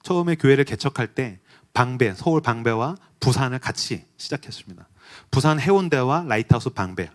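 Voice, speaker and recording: A middle-aged man preaching a sermon in a church sanctuary. His pitch swings widely as he tells a story with feeling, rising to loud exhortation and then dropping to hushed retelling. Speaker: pastor.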